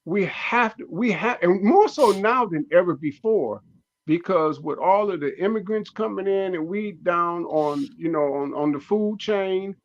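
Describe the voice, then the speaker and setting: A man's voice: high voice, measured pace, highs cut off. A man in his sixties, a comedian guest on a talk show, speaking emphatically and repeating his points. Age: 60s. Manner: emphatic, preachy, repeats phrases. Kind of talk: casual radio talk show discussion.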